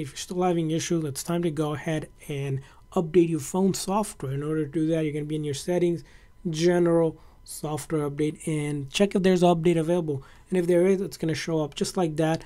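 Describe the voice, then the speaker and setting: Mellow-voiced man giving a how-to. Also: a little high, fairly even intonation, a little fast. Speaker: tech tutorial presenter. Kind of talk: casual step-by-step how-to narration.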